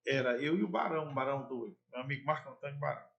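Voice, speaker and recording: A middle-aged man with a playful, animated way of telling stories about his years in radio and TV. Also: medium pitch, racing, vocal fry, muffled recording. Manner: playful, animated storyteller with jumps in loudness. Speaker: former sports broadcaster and TV presenter. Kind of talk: casual storytelling interview.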